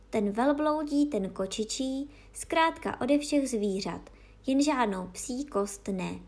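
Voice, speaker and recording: A woman reading a fairy tale aloud as narrator, in a slow, measured and expressive way. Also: fairly high pitch.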